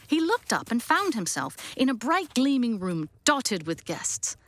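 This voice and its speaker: A woman narrating a classic story for an audio drama in an expressive, measured storybook style. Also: fairly high pitch, no echo.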